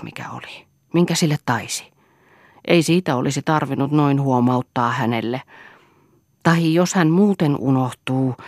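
Calm woman reading a novel aloud. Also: a bass voice, no echo, studio quality. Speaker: audiobook reader. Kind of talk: scripted narration of a novel.

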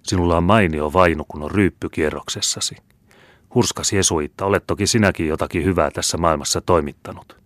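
A man's voice: low-pitched, no room sound, natural voice. A man voicing a stout, blustering old army captain who curses and grumbles. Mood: delighted. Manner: gruff, cursing, boisterous.

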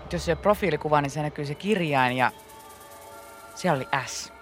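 A woman radio host telling a spooky story in casual chat, with dramatic, suspenseful delivery. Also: sits low. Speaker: radio morning show host. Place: radio studio. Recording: radio studio with music bed.

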